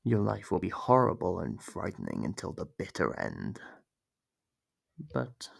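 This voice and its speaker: Horror ASMR monster captor, played by a man: deep, unhurried, smugly menacing, taunting his prey in a husky, breathy drawl. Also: wildly swooping pitch, dry recording, studio quality, full character voice. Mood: sadistic delight. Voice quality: gravelly, husky, often dropping to a breathy whisper. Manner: slow, taunting, theatrical drawl with drawn-out pauses. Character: sadistic male monster captor, smug, menacing, toying with prey. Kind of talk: horror ASMR roleplay monologue.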